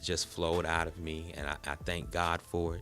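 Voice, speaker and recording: Over music in the background, a man talks in a very deep, low voice. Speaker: author and motivational speaker. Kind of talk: interview conversation. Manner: fast; animated.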